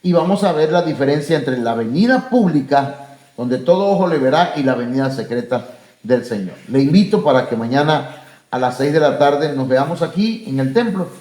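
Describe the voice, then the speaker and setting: A man's voice: a little high, animated, normal speed, mellow, roomy sound. A man with a Mexican Spanish accent, preaching and leading prayer in a plain, conversational way with many fillers. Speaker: pastor. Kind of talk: sermon and closing prayer to a church and online viewers. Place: church sanctuary.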